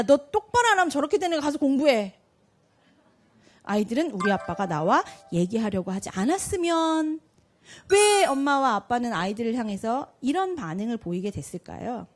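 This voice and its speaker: A woman giving a lively parenting talk to an audience. She asks the audience questions, answers them herself, and acts out what parents and kids say in quick little voices. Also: sits high. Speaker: parenting speaker.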